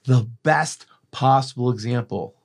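Guy cohosting a podcast, normal pitch, rambly explainer, casual, swears a bit. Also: measured pace, gravelly. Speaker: podcast co-host. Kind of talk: casual chat.

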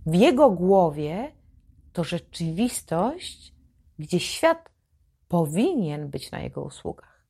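A woman hosting a psychology channel, giving an advice monologue to her viewers in a slow, emphatic, deliberate way. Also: fairly low pitch, sing-song, mellow, slightly rough.

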